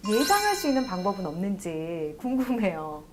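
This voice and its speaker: A woman hosting a TV health program, asking a doctor questions in a bright, engaged way and wrapping up for viewers. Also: medium pitch, big pitch swings, moderate pace, over music. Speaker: host. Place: studio.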